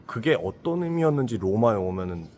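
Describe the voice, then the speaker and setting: A man's voice: medium pitch, a little fast, slight background noise. A man hosting a Christian channel, chatting reflectively on a trip and sometimes acting out imagined villagers. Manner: reflective, acts out imagined villagers in lively voices. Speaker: Christian apologetics channel host. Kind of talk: casual travel conversation.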